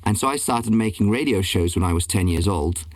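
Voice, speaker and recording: A man's voice: on the low side, a little fast, no echo. A man from Belgium, a voice-over and casting director, talking casually in an interview on a remote call, rambling with many ums and restarts.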